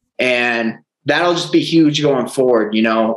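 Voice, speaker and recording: Over a quiet background, a man speaks with fairly even intonation as audible room echo surrounds his voice. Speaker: football player; podcast guest. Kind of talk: interview. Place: home room. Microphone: video call.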